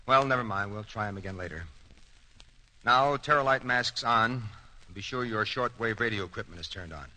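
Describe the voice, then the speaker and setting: An actor playing a brisk, level-headed rocket ship commander in old radio drama style, clipped and matter-of-fact. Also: male voice, on the low side, sharp tone, low-quality recording. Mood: commanding. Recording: old radio recording with faint noise.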